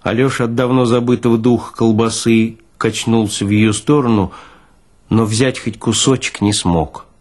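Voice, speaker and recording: A man reading literary prose as a narrator, with expressive, deliberate phrasing. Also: on the low side.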